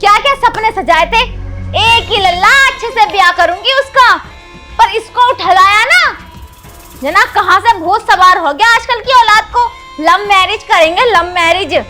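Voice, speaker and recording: A woman's voice: very high-pitched, measured pace, bright, forceful tone, faint music behind, full character voice. A woman playing a harsh, scolding village mother-in-law. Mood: contemptuous. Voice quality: scolding, contemptuous. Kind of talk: rural Hindi film drama.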